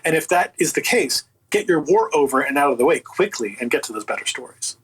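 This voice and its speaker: A man's voice: on the high side, expressive, a little fast, fairly bright tone, breathy edge, poor audio. A man speaking as an interview guest, chatting casually and giving his opinions in an emphatic, colloquial way. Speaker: interview guest, audio book producer.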